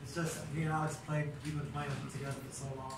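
A man's voice: fairly high pitch, flat delivery, fast, recorded from a distance, crowd noise. A young man, a basketball player answering questions at a postgame press conference in a casual, confident way, often repeating words as he starts a sentence. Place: press room with a backdrop, seated at a table. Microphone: table mics heard from a far camera. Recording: echoey room from afar, noisy.

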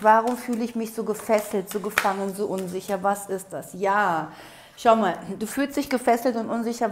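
A woman with a hoarse voice after a cold gives a tarot reading. She speaks straight to the viewer in a coaxing way and repeats herself often. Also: medium pitch, darkish tone. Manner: repetitive, coaxing, addresses viewer directly. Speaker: tarot reader. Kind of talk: interactive tarot reading to camera. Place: room at a table with candles.

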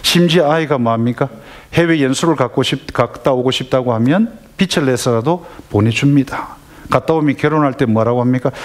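Male parenting lecturer, conversational, asks the audience questions. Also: medium pitch.

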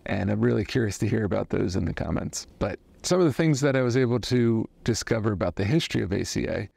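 A man in his thirties, a trauma therapist, giving a measured, thoughtful lesson to camera in a study lined with bookshelves. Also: on the low side, lively intonation, creaky, darkish tone, husky, no echo. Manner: measured, thoughtful explaining with hand gestures. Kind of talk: educational talk to camera.

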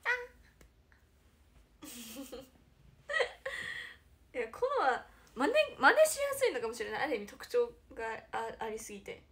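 A young woman hosting a casual livestream chat, giggly and animated, who often drops to a near-whisper. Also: on the high side, a little slow, pauses often. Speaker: idol livestream host.

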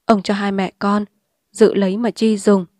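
A woman voicing a remorseful old man who speaks softly, slowly and pleadingly. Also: mid-range voice, flat delivery, dry recording, clean studio sound, natural voice. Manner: soft, slow and pleading.

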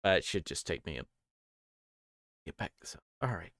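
Low-voiced man on a livestream. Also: sing-song, moderate pace, fairly bright tone, a little hiss or hum. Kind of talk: casual livestream chat and reading visual novel text aloud.

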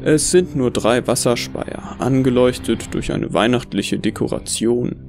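Over underlying music, a man narrates a scripted first-person horror story in a measured, brooding way. His medium-pitched voice has a darkish tone and a gravelly fry.

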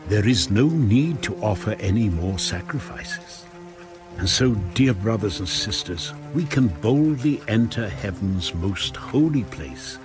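Male narrator, lowish voice, very animated intonation, earnest dramatic scripture reading, emphatic.

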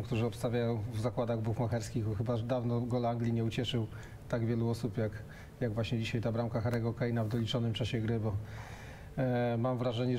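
Host with a flat delivery. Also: male voice, medium pitch, a little hiss or hum. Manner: conversational, with fillers. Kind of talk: studio sports talk show. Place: TV studio.

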